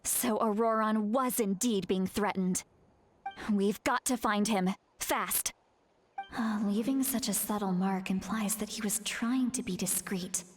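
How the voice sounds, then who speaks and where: A woman's voice: medium pitch, unhurried, a little hiss or hum, natural voice. A woman playing a brash, impatient tribal warrior in a video game, with a hot-tempered, muttering manner. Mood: focused, urgent. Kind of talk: video game character voice acting.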